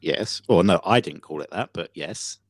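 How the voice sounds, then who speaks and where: A man co-hosting a podcast, telling a story theatrically with many pauses and fillers. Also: deep voice, expressive, breathy edge. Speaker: podcast co-host. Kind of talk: casual chat.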